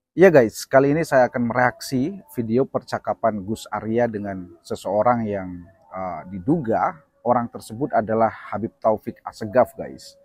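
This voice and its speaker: A man's voice: mid-range voice, breathy edge, dry recording, clean studio sound. A man hosting a reaction video who introduces a clip casually, with frequent hesitations. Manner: casual, peppered with "guys" and hesitations.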